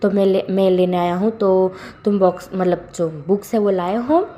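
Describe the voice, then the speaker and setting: Woman reading as a strict teacher guy telling the class off, mellow voice. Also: mid-range voice, moderate pace, close to an everyday voice. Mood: stern. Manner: scolding, giving orders. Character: stern male substitute teacher.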